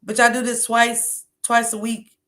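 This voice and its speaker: A woman's voice: a little high, monotone, unhurried, fairly bright tone. A woman with a stuffy nose hosting a casual livestream, chatting straight to her viewers with lots of ums. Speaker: true crime commentary host.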